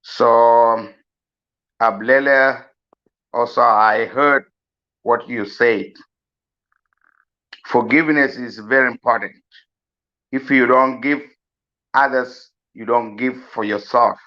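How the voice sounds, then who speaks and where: A man from South Sudan giving a slow, earnest farewell address, pleading with many pauses. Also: medium pitch, fairly even intonation. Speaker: mourner giving a eulogy. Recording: dull lo-fi recording.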